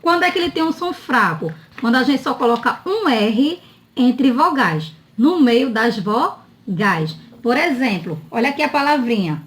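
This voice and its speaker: Slow sing-song woman teacher. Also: high voice, lively intonation. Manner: slow, drawn-out, sing-song teacher talk with frequent "tá?" check-ins. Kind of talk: children's spelling lesson.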